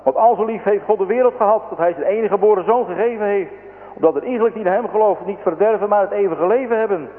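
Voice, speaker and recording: A man voicing an earnest, eager little poor boy in a religious story, speaking high and urgent. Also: measured pace, phone-quality sound, natural voice. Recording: thin echoing radio broadcast.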